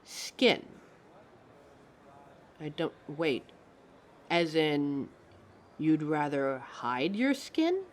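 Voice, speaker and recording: Living mannequin, female woman acting: pompous fashion expert, lowish pitch, affected roleplay delivery, noisy home recording. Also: very animated, extremely slow, long pauses, exaggerated voice. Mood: patient, instructive. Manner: pompous, affected, instructive, calls listener darling. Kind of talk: scripted roleplay audio addressed to the listener.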